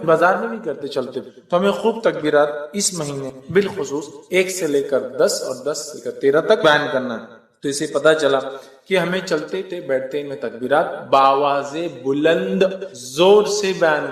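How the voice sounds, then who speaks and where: A man's voice: on the high side, distant mic. Echoey preacher, a man. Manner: explanatory, reciting Arabic phrases then translating. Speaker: Islamic preacher. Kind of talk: religious lecture. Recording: echoey room, speaker off the mic.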